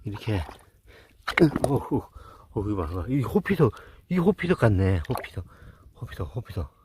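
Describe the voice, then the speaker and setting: A man's voice: fairly low pitch, very animated, moderate pace, background noise. A middle-aged man talking casually outdoors in a mountain stream, muttering and repeating words as he looks at rocks. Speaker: rock-hunting vlogger.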